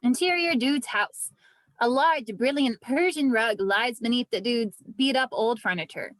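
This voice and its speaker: A woman's voice: fairly high pitch, measured pace, fairly bright tone. A woman narrating the stage directions of a script at a table read.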